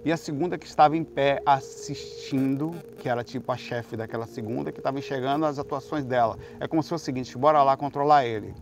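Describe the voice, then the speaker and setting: A man with a Brazilian Portuguese accent telling a long story in a casual, rambling monologue, swearing freely and swinging between hushed and loud. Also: mid-range voice, fast, few pauses, background noise.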